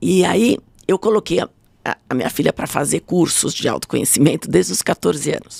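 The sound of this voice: Putting on a character voice, a man sounds hoarse and fairly high-pitched, swinging very widely in pitch at a fairly quick pace.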